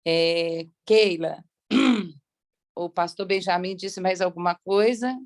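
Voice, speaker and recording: A woman's voice: fairly low pitch, slow. A woman with a Brazilian accent hosts an online devotional informally and hesitantly, her voice strained by a lasting cough. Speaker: co-host of online prayer meeting.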